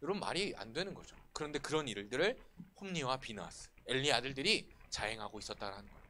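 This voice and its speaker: A man preaching to a church youth group, animated and often asking the students questions. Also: mid-range voice, fast talker. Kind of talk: sermon. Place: church worship room.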